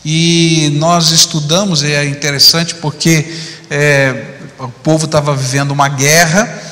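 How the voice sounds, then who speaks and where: Preaching from the stage of a big church auditorium, a middle-aged pastor speaks a little slowly into a handheld mic, his fairly high voice bright and pushed with little pitch movement. His sermon is conversational and full of tag questions, with long reverb from the hall.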